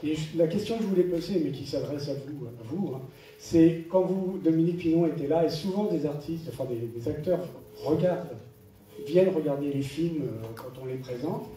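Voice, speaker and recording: Man, audience questioner, wordy and circling, very dark tone, distant reverberant recording. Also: fairly high pitch, moderate pace. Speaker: audience member asking a question. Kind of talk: public question at a panel. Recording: roomy hall, distant mic, faint noise.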